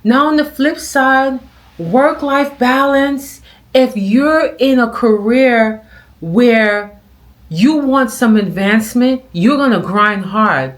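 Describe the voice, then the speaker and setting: A middle-aged woman talks straight to her viewers in a casual vlog. She comments on clips in an animated way and acts out the people in her stories. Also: fairly high pitch, slow. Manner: animated storytelling with acted quotes. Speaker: vlogger.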